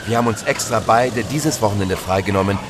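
A man's voice: fairly low pitch, brisk, noisy background, natural voice. A man playing a shaken, plain-spoken hobby angler in a crime audio drama.

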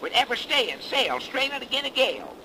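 Old sailor: very high pitch, lively swings, stubborn, fearful, rustic; noisy 1930s radio drama. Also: male voice, a little fast, heavily acted. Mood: insistent. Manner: salty rustic sailor dialect, insistent. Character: superstitious old English sea dog, stubborn and fearful.

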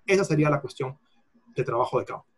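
A man's voice: medium pitch, animated, fast, husky. A man lecturing on linguistics in Spanish, explaining with repeated examples and correcting himself mid-phrase. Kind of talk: explanatory lecture answering a participant.

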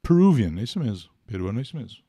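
An older Brazilian man teaches a live English lesson with a very animated, up-and-down voice. He explains patiently and answers viewers' questions by name. The sound is close and dry, with no room echo. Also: mid-range voice, racing, husky. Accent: Brazilian Portuguese.

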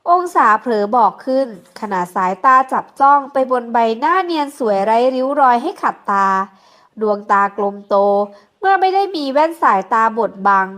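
A woman reading a romance novel aloud in steady, scripted narration. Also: high voice, normal speed. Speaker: audiobook narrator.

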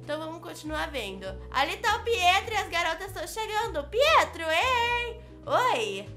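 A woman's voice: extremely high pitch, lively intonation, quick pace, sharp tone. A woman, hosting a casual reaction video and chatting straight to her viewers. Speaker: YouTube host. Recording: roomy room, faint music behind.

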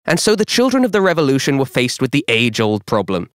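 Male voice actor with lively, varied delivery. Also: medium pitch, fast, clean tone, no echo, clean studio sound. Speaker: professional voice actor. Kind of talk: scripted narration and advert voice-over. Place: home-studio quality recording.

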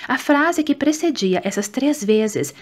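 A woman with a Brazilian Portuguese accent, reading a nonfiction book aloud in a steady, measured way. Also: high voice. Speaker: audiobook reader. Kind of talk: scripted audiobook narration.

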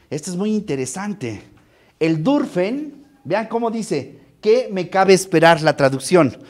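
A man with a Mexican accent giving a university lecture, animated, addressing students with rhetorical questions. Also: high voice. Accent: Mexican Spanish.

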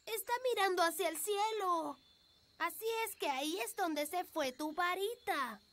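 Plucky little elf boy voiced by a woman, very high. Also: a little slow, a bit bright. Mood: excited. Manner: earnest, boyish, plucky. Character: eager, helpful little elf boy, proud of his skills. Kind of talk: children's cartoon dub. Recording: prominent music behind the voice.

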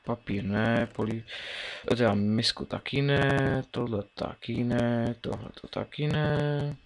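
Gravelly young man muttering over a game. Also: medium pitch. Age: teens. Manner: mumbling, thinking aloud while playing. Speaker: gameplay commentator. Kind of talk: casual Let's Play commentary.

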